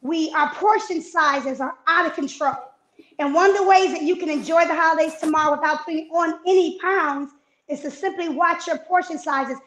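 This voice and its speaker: A woman in her fifties on a video call from her home kitchen, giving healthy eating tips in an energetic, coaching way. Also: extremely high pitch, moderate pace, reverberant. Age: 50s. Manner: energetic, coaching, emphatic repetitions. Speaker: fitness and nutrition guest. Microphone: wireless earbuds on a video call.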